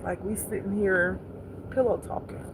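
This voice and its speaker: In a steady, mid-range voice with background noise behind it, this livestreamer talks softly and slowly in an intimate, pillow-talk style, repeating calm prompts to relax.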